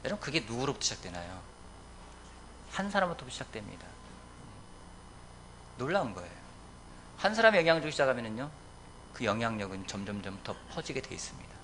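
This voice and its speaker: A man preaching a Sunday sermon as pastor of a church, urging his congregation with emphatic swings between loud appeals and quiet, earnest lines. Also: big pitch swings, brisk, long pauses, slight background noise. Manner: emphatic, rising to loud exhortations then dropping low. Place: church sanctuary.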